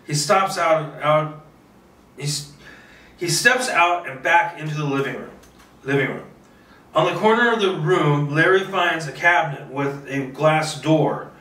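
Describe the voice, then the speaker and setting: A man's voice: fairly high pitch, measured pace, pushed and bright. A man doing an informal table read of a screenplay, narrating the action and sometimes stumbling or repeating words. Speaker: script reader. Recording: roomy echo, distant mic.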